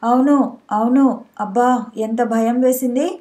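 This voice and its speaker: A woman reading a scared young wife just out of a bad dream, speaking in a high, mellow voice. she sounds breathless and shaky, as if the dream still has hold of her, in a storybook reading. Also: steady tone, measured pace, natural voice. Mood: frightened. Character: frightened young wife waking from a nightmare. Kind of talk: audiobook character voice.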